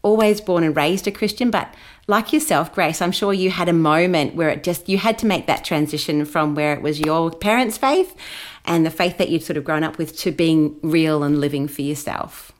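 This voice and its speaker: A woman's voice: low voice, moderate pace. A woman from New Zealand, talking as a guest in a casual interview and laughing often. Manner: chatty and laughing.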